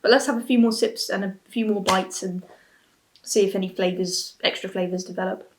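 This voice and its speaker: A young woman chats casually to camera as a reviewer, with a medium-pitched voice. She thinks aloud, hesitating and restarting mid-thought. She is recorded in a small room at home on a camera mic a short way off. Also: fairly even intonation, fairly quick, low-quality recording. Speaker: beer and snack reviewer. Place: small plain room at home, seated at a table.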